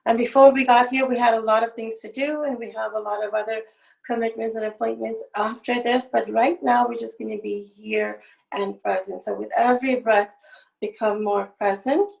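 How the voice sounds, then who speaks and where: A woman podcast host who leads a calm guided meditation and then asks interview questions. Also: fairly high pitch, vocal fry, low-quality recording. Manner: soothing, slow guided breathing.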